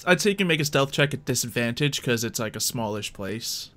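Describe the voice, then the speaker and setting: A man's voice: mid-range voice, lively intonation, a little fast, a bit bright. A man running a casual tabletop roleplay game as game master, narrating and bantering with players.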